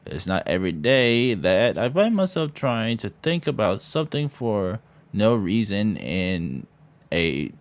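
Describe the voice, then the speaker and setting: A man's voice: fairly low pitch, sing-song, a little slow. A man reading a visual novel aloud as a streamer, with casual, irreverent asides. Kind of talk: casual let's-play translation with commentary. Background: game music.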